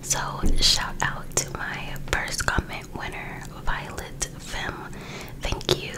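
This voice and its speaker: Whispering woman reading slowly. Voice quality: soft unvoiced whisper. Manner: hushed, unhurried storytelling. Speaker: ASMR host reading a true crime book.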